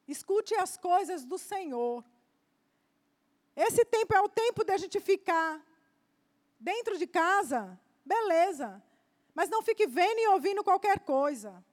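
A woman preacher giving a fervent sermon, often dropping softly to address her listeners as beloved. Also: very high-pitched.

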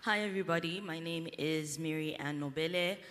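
A woman with a South African accent introduces herself on a panel. Her voice is notably low and rings out in an echoing hall. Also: brisk, fairly bright tone. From Johannesburg, South Africa. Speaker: panelist, podcaster. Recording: echoing hall, distant miking.

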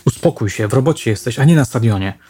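Calm careful cop guy, read by a man, low husky mellow voice. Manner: measured, restraining. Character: calm male police investigator, cautious.

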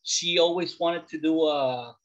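Speaking at normal speed in a fairly high, slightly bright voice, a Dominican man of about forty shares personal stories as a guest on a casual interview podcast. He's in his late 30s or older. The audio is lo-fi and a little dull.

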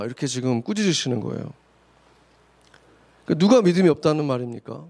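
A man's voice: a little high, darkish tone. A man preaching a Sunday sermon, reading scripture aloud and then explaining it with many rhetorical questions. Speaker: pastor.

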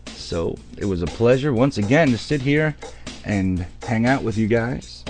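A man's voice: mid-range voice, animated, unhurried, a little mellow, soft background music. A man hosting a radio show in chatty, folksy DJ patter, speaking directly to his listeners. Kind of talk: radio DJ patter, ad reads and weather.

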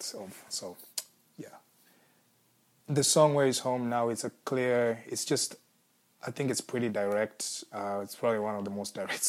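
A young man with a Kenyan accent, talking slowly and thoughtfully about his life. His voice sits fairly low, and he often stops to restart his sentences. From Congo, raised in Kenya. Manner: thoughtful, searching, with soft laughs and restarts. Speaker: musician, former refugee. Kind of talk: reflective interview answers.

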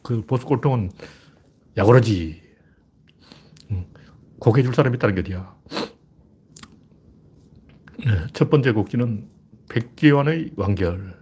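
An older man talks through a loose, rambling commentary with a husky, slightly breathy voice at a middling pitch. He is blunt and rough-spoken, and he fills his talk with casual asides. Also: lively intonation, normal speed, pauses often, darkish tone.

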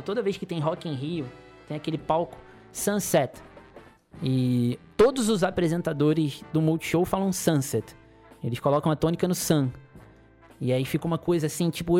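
A man's voice: on the high side, a little mellow. A man, hosting a casual solo podcast in a rambling, chuckling, playfully griping way. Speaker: podcast host.

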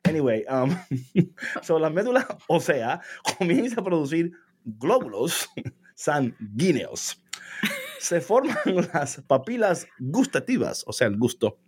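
A man's voice: fairly high pitch, sing-song, slow pace, a little mellow, slight background noise. A man co-hosting a casual chat, reading a text aloud, joking about its words, laughing often and slipping English into his Spanish. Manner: jokes about words he reads. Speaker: co-host.

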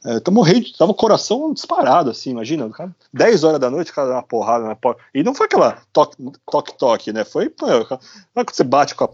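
A man with a Brazilian Portuguese accent, a guest on a podcast, casually telling a story from his bicycle travels, animated and full of slang fillers. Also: on the high side, quick pace, husky, lo-fi sound.

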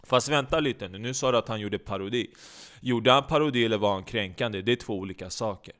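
A man hosting a comedy podcast, speaking low and dry with teasing questions. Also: fairly bright tone. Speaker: podcast host. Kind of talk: casual comedy podcast chat.

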